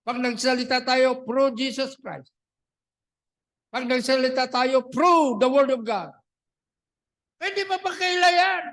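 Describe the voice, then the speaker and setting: A man's voice: very high-pitched, fairly even intonation, measured pace, fairly bright tone. A man preaching a sermon, mixing English into his talk and acting out the dialogue he retells. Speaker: pastor. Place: church.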